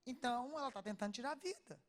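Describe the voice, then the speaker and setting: A Brazilian woman preacher telling a personal story in a sermon, acting out the dialogue and swinging from hushed to loud. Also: fairly high pitch, quick pace. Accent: Brazilian Portuguese.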